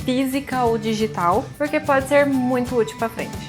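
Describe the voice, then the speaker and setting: This is a didactic writing lesson with read-aloud book excerpts, led by an author who hosts an advice series. She has a fairly high voice and a Brazilian Portuguese accent with a pulled R, and she addresses the viewer informally at a moderate pace. Soft music runs in the background.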